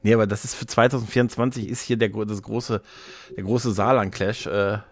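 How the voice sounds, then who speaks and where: A man's voice: fairly low pitch, steady tone, brisk, dry recording. A man chatting casually as a podcast co-host, telling stories in a rambling, jokey way.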